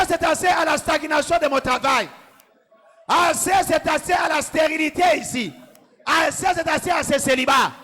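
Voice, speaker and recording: A man, a pastor leading prayer and preaching with repetitive shouted commands in a large church hall. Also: very high-pitched. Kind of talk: sermon and led prayer.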